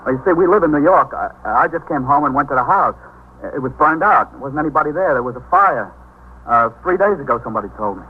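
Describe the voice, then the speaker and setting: A man's voice: a little high, expressive, quick pace, breathy edge. An actor playing an anxious young sailor searching for his missing family, stammering and worried, in 1950s radio drama style. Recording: tinny old radio recording with faint hiss.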